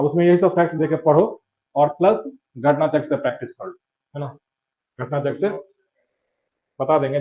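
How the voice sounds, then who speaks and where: A man's voice: mid-range voice, narrow, tinny audio. A male teacher gives exam advice in a conversational coaching-class lecture and keeps checking in his students.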